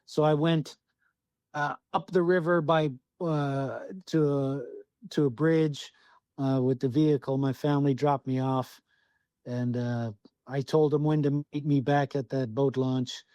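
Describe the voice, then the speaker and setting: A man's voice: mid-range voice, steady tone, a little slow, dark tone, dry recording. A man from Southwest Alaska, a podcast guest telling a hunting story in casual, profane storytelling, acting out his own thoughts. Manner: salty, swears freely, acts out his own thoughts.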